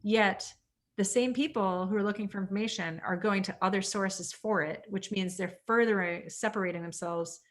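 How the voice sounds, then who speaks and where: A woman coaching a real estate class over a video call, her voice pitched in a middle range. She rambles candidly, peppering her talk with "like" and voicing her own past thoughts. The tone stays conversational and encouraging. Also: steady tone, moderate pace. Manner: chatty, candid, full of "like" and acted-out quotes. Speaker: real estate coach leading a training session. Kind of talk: motivational online class talk.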